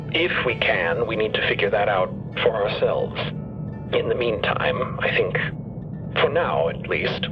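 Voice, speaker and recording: A man acting an earnest, thoughtful character in an audio drama, speaking in formal, deliberate phrases. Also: mid-range voice, muffled recording, lightly acted. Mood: curious, warm.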